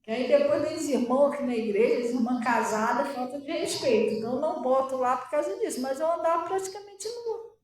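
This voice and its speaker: A woman pastor with a Brazilian Portuguese accent giving her testimony as a sermon, conversational and animated, often asking the congregation questions. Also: sits high, a little fast, slight background noise. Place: church hall. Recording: echoey room, voice far from mic.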